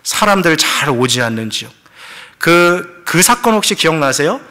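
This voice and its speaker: A man's voice: on the high side, sing-song, normal speed, pushed and bright. A man preaching a sermon as pastor, telling the story with questions to the congregation and English words mixed in. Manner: mixes English words into Korean.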